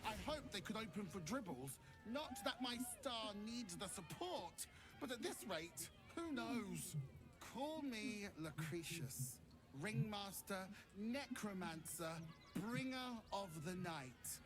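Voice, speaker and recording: Sassy drag queen ringmaster, Lucretius, swooping high. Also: sing-song, slow, full character voice. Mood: grand, sassy. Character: flamboyant drag queen circus ringmaster and necromancer. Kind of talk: video game character acting. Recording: music behind the voice.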